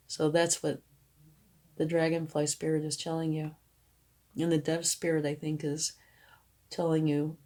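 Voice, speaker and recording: Hoarse, slow, low-voiced woman tarot reader. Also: darkish tone. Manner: reassuring, explains each card to the viewer and checks in with "okay?". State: hoarse from a cold. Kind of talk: tarot card reading, casual spoken explanation.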